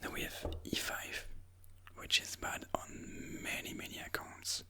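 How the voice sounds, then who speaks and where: Thinking aloud in a slow, soothing way, this host of an ASMR chess video whispers commentary on the game. The voice is breathy and mostly unvoiced.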